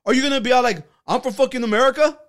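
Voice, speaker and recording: A man's voice: very high voice, racing, fairly bright tone. A man on a casual podcast insisting on his view, stumbling over repeated words as he pushes. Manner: insistent, stammers and repeats words when pushing. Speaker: podcast co-host. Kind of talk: heated casual debate.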